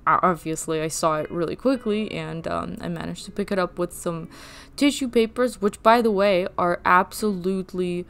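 A woman's voice: lowish voice, normal speed, creaky, clear, resonant tone. A young woman whose first language is Russian, rambling chattily in a casual voice-over while she draws, with fillers and laughs. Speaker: art channel host.

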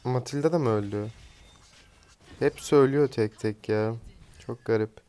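A man's voice: mid-range voice, normal speed, warm tone, smooth. A young man giving casual commentary while he plays a mobile game, chatty and teasing, swearing lightly at teammates. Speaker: gaming streamer. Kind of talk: casual live gameplay commentary.

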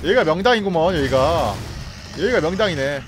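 Playful high-voiced man gaming. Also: expressive, fairly quick. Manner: playful, taunts and coaxes the enemies he fights. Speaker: gaming streamer. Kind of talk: let's play commentary. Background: game music and effects.

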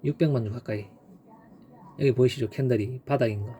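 A man's voice: mid-range voice, a little fast, dark tone, a little hiss or hum. A man teaching stock chart trading in a casual, emphatic way, repeating key points and punctuating them with sound effects. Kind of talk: casual screen-share chart lesson.

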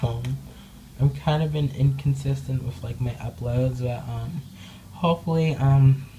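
A woman chatting casually in an indoor room as a doll hobby vlogger, rambling with many filler words and bubbly excitement. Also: very deep voice, measured pace, slight background noise. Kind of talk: casual update vlog. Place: indoor room, speaking off camera behind dolls.

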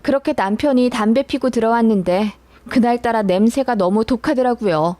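A woman narrating a first-person radio-style story in an even, confiding retelling, recorded close on a dry mic. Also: on the high side, normal speed, no room sound.

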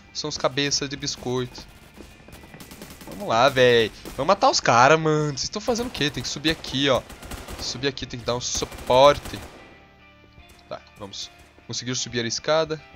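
Young Brazilian gamer host, Brazilian accent, edgy bright tone, quick to explode and curse at his match. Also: on the high side, soft background music. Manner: hot-tempered, swearing, sudden yelling bursts. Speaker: gaming channel host. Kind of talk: rage gameplay commentary.

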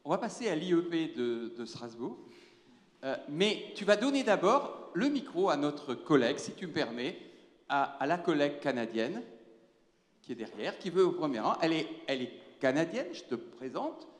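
A man moderating a round table in an animated, joking, teacherly way, on a handheld mic in a large lecture hall. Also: a little high, moderate pace. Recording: echoey hall, long reverb.

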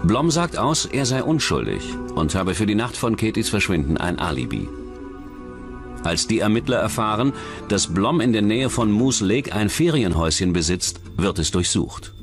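Male narrator for scripted crime documentary, animated delivery, low register. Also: normal speed. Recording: music bed under the voice.

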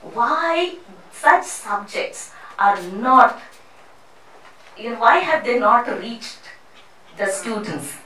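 A middle-aged woman from India speaking on a panel in a seminar room into a handheld mic, halting and earnest with many restarts. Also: a little high, expressive, pushed and bright. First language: not Hindi; English not first language. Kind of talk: public talk at a panel. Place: seminar room with a panel seated before a screen. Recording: echoey room picked up from a distance.

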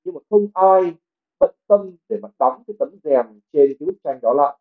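A man's voice: on the high side, animated, moderate pace. Man teaching vocabulary over a tinny line. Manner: reads English passages, then translates and explains each word. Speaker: English teacher. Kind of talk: reading a novel aloud and explaining vocabulary. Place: livestream at home. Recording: phone-like narrow sound.

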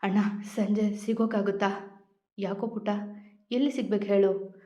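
A woman's voice: medium pitch, steady tone, moderate pace, roomy sound, close to an everyday voice. Woman reading as a tearful young wife. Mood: pleading. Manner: pleading, soft.

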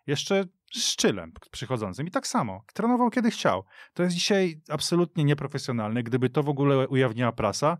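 A man's voice: mid-range voice, dry recording. A man on a radio football panel, opinionated and talkative in casual studio chat. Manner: opinionated, storytelling. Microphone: studio mic.

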